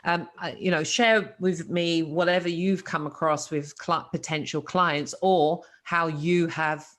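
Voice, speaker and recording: A woman's voice: low voice, fairly even intonation, measured pace. A woman hosting a casual interview. She sounds encouraging and laughs easily with her guest, and she asks long, rambling questions. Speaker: interview host.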